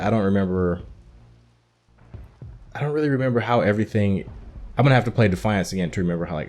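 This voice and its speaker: A man hosting a gaming video, giving casual, informal playthrough commentary in a halting, thinking-aloud way. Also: fairly low pitch, darkish tone.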